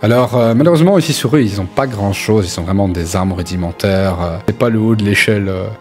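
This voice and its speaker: A man's voice: fairly low pitch, fast talker, a little mellow. A man narrating a tabletop role-playing game as game master, informally and with relish for gory detail. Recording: music laid under the voice. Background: background music.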